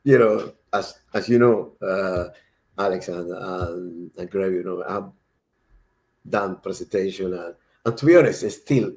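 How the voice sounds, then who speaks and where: A man's voice: sits low, measured pace, darkish tone. A man from Cuba with a Cuban Spanish accent, a native Spanish speaker, chatting emphatically and repeating words as he speaks. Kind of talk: casual chat.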